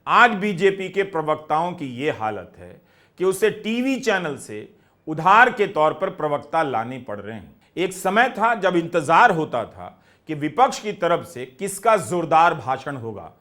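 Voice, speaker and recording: A man narrates scripted news commentary in a fairly high voice that rises and falls a lot. He explains each point at a measured pace. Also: sing-song, a bit bright.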